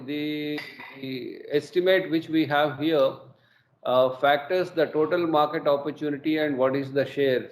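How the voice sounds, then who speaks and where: A middle-aged man with an Indian English accent presents quarterly results on an earnings call, measured and full of hesitations. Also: mid-range voice. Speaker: company executive presenting results. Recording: echoey room with faint ambience.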